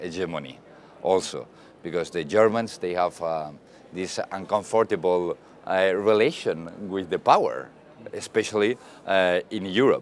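Over light background noise, someone with a Spanish accent speaks at a fairly slow pace. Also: man, dry sound with no echo. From Spain. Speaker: politician. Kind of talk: panel discussion. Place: hall. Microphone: lapel.

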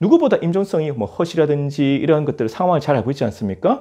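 A man's dark, mellow tone at a fairly quick pace against a quiet background. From South Korea. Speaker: history lecturer. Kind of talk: lecture. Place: studio.

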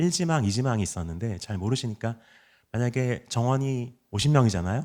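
A man speaks at medium pitch with lively intonation and a moderate pace. The recording is very clean, with a silent background. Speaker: earth science professor. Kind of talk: lecture. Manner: hesitant with frequent fillers.

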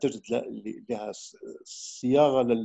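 In a Levantine accent, a man speaks at a medium pitch with ordinary pitch variation. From Jordan. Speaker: architect; guest or host in an online talk. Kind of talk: panel discussion. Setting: video call. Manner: halting. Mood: calm, reflective. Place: home room. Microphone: webcam.

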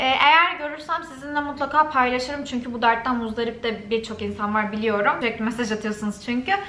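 A woman speaks in a high voice at a fairly quick pace, with hardly any pauses. Audible room echo fills the recording. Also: ordinary pitch variation. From Turkey, Bursa; Turkey. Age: 20s. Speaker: beauty and lifestyle youtuber; lifestyle youtuber. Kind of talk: casual Q&A vlog. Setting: home, on a couch. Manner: fast. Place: home room.

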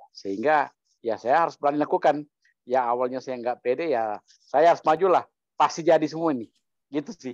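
In a dry, close recording with no echo and a quiet background, a man talks fairly quickly at a fairly high pitch with ordinary pitch variation and a normal speaking voice. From Bandung, West Java. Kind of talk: casual chat. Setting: video call.

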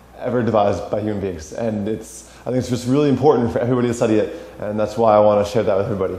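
Amid audible room echo, a man talks at a very fast pace and medium pitch with fairly even intonation. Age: 20s. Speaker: physics teacher. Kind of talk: lecture. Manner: halting. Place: classroom.

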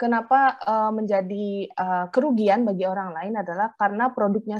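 In an ordinary speaking voice, a woman with a medium pitch and ordinary pitch variation talks at a moderate pace, the sound dry with no echo and the background quiet. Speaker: interpreter. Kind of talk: consecutive interpreting of a business lecture. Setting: video call. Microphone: earbuds.

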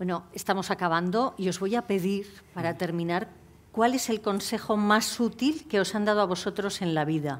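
An unremarkable speaking voice from a woman, medium in pitch, with ordinary pitch variation and a moderate pace. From Spain. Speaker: moderator. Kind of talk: panel discussion. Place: stage. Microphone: headset.

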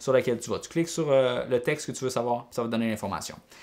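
A man with a Quebec accent. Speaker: blogging course instructor. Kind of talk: tutorial. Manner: informal, direct address. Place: home room.

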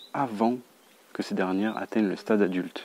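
Here is an ordinary speaking voice: a man at a fairly low pitch with fairly even intonation and a moderate pace. The sound is dry with no echo, over light background noise. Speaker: amateur lecturer on solitary bees. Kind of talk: casual filmed lecture. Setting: outdoors. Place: garden. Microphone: phone near.

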